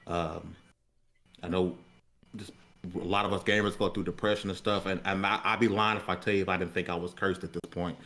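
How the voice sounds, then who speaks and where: Male podcast host, American, lowish pitch, loose conversational delivery that circles and repeats. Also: flat delivery, a little fast, sharp tone. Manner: colloquial, repeats words while searching for phrasing. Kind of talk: casual unscripted talk.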